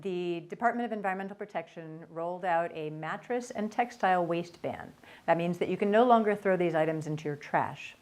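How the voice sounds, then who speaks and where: A woman speaking for a recycling program, explaining a waste ban clearly and lifting her voice on key points. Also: lowish voice, fairly quick, a little mellow. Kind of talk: explanatory public information.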